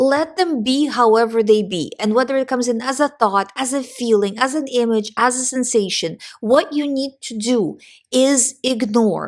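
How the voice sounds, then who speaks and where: A woman speaks at a moderate pace in a high pitch. She has a Ukrainian accent. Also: ordinary pitch variation. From Ukraine. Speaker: OCD recovery coach. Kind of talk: educational talk to camera. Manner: casual, conversational with fillers.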